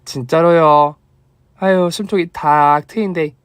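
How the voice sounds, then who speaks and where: A man voicing a generous, lively young daughter-in-law with a Gyeongsang dialect, earnest and teasing. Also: on the high side, unhurried, smooth, no echo, lightly acted. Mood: playful.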